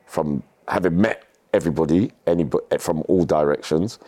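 A middle-aged man with a very low, deep voice. He talks casually and slangily, rambling through personal stories. The sound is close and dry. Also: a little fast, dark tone, dry recording. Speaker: podcast guest. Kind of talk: casual chat, personal storytelling.

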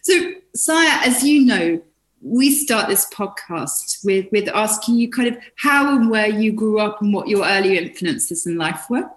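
A woman hosts a podcast in a room with a clear echo. She gushes over her guest and often stammers, repeating small words before she gets going. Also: medium pitch, lively intonation, measured pace. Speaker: podcast host. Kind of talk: casual interview chat.

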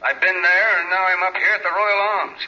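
High, piercing phone-filtered police sergeant. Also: male voice, steady tone, brisk, bright, forceful tone. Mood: brusque. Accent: American. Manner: blunt, clipped. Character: gruff, impatient police sergeant on the telephone. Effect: telephone filter. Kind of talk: 1940s radio acting. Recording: tinny telephone voice, 1940s radio recording.

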